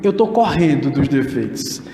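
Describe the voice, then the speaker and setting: A man's voice: on the high side, animated, moderate pace, dark tone, a little hiss or hum. A man giving a spiritist lecture from a pulpit, speaking earnestly and directly to the audience. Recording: echoey hall with long reverb.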